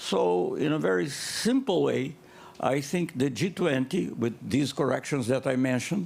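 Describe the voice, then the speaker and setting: Noticeable background noise sits behind a man's medium-pitched voice, which swings very widely in pitch at a moderate pace with very even loudness. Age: 80s+. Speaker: former minister, diplomat. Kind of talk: panel discussion. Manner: halting.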